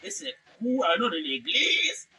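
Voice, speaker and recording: A man's voice: very high voice, wildly swooping pitch, a little slow, pushed and bright. A man preaching a fiery revivalist sermon, exclamatory and theatrical, insistently repeating phrases and amens. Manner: mocking, theatrical asides. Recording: distant mic with faint background noise.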